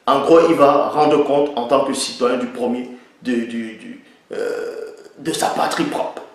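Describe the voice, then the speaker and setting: A man's voice: mid-range voice, a little slow, gravelly. A man giving an opinion monologue and citing the Bible, emphatic and repeating his points for stress. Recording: very echoey room.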